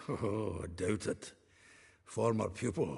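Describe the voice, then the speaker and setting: Putting on a character voice, a man speaks raspy and fairly low at a fairly slow pace, with ordinary pitch variation. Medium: video game. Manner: chatty, chuckling.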